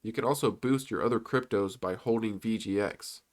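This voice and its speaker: A man's voice: lowish voice, normal speed, a little mellow. A young man with a congested voice, rambling loosely through stock and crypto slides in a casual commentary. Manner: loose and rambling, with many fillers and restarts. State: congested from a cold.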